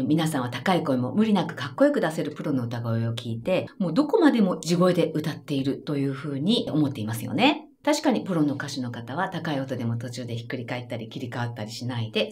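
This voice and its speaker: Lively Japanese vocal coach woman. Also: sits low. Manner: lively, friendly explaining with sung examples. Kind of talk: online singing lesson.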